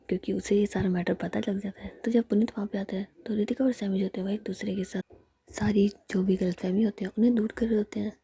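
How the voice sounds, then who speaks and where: A woman retelling a story in a steady whisper. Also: medium pitch, slightly rough, dry recording.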